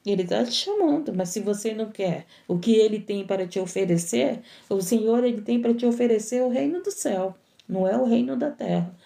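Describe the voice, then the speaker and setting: A woman's voice: fairly high pitch, animated, a little fast, vocal fry, warm tone. A woman missionary preaching a sermon on a live stream, repeating her points and calling out praise. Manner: repetitive, exclamatory preaching with acted complaints.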